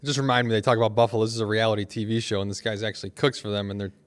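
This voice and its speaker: A man co-hosting a casual talk show, explaining things in a halting way and repeating himself. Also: lowish voice, little pitch movement. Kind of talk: casual chat.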